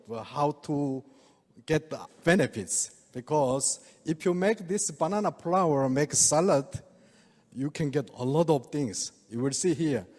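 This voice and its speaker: An older Korean-accented man gives a talk in broken, halting English, often breaking into chuckles. His voice sits a bit high for a man. The long reverb of a large hall trails every phrase. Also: a little mellow. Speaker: speaker, oriental medical doctor. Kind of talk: presentation to a live audience.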